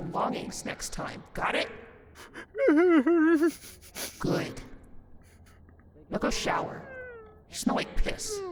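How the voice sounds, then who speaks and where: A put-on character voice, fairly high in pitch, comes at a fairly slow pace. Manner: menacing, commanding.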